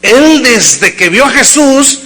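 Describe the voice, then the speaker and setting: A male pastor delivering a sermon to a congregation, with dramatic acted quotes and sudden shouts. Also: very high-pitched, expressive, slow. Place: church service before a congregation.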